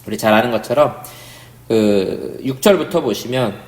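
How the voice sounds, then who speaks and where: A man's voice: medium pitch, normal speed, darkish tone. A man, a pastor, giving a Bible study lecture in a conversational way, often asking the class questions. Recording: roomy, echoey room sound.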